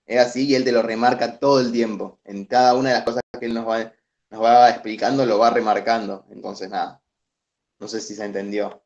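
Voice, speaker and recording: Young argentine guy on a video call, lowish voice, umms and restarts, dull audio. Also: level tone, fairly quick, a little mellow. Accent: Argentine Spanish. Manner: hesitant, many fillers and restarts. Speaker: student presenter. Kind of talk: online study session explanation.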